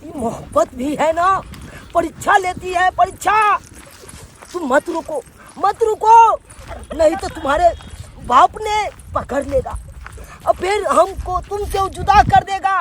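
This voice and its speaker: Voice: very high-pitched, takes it slowly, fairly bright tone, a little hiss or hum, heavily acted. A performer voicing an eloping young male lover with a Maithili accent, urgent and melodramatic. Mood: urging.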